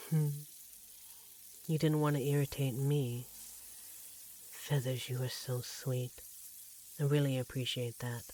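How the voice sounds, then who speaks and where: Casting: performer as a loving, playful vampire partner, mid-pitched, conversational ASMR roleplay, frying noise behind. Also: darkish tone, close to an everyday voice. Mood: casual, teasing, then affectionate. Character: affectionate teasing vampire partner working as a barista. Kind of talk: ASMR audio roleplay, one-sided domestic dialogue. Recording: clear background noise, sizzling frying pan.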